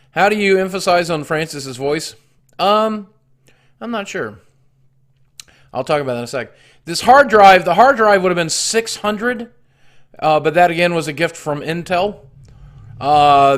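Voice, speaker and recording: A man talks casually to his live-stream viewers in a slightly high voice. He reads messages and tallies prices aloud, stopping often for ums and uhs. Now and then he clears his throat while chewing cough drops. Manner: reads chat and tallies costs aloud, halting with fillers.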